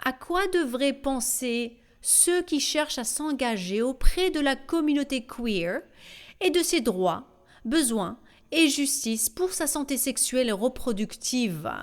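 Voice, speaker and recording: A woman voicing a panel discussion in a measured, deliberate way, with small hesitations. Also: high voice. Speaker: voice-over translator.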